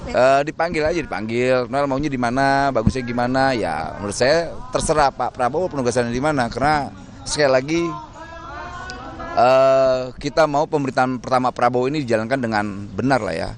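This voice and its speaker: A man's voice: medium pitch, brisk. A man answering reporters in casual, blunt, joking slang at a doorstop interview. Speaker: political appointee speaking to press.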